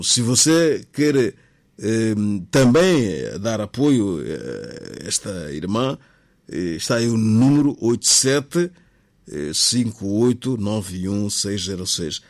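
A man's voice: lowish voice, a little mellow. A man hosting a radio call-in appeal, encouraging and repeating his words, from Mozambique. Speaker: radio show host.

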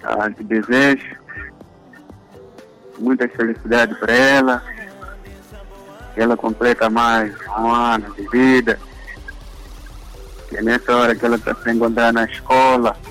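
A man's voice: medium pitch, little pitch movement, unhurried, pauses often, a bit bright, soft background music, rough recording. A man calling in to a radio show, speaking briefly and hesitantly. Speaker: radio caller.

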